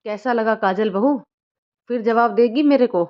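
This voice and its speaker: A woman voicing a cruel village mother-in-law who shouts and taunts, in a dull lo-fi recording. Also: fairly high pitch, moderate pace, close to an everyday voice. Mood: scolding. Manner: harsh, scolding, taunting.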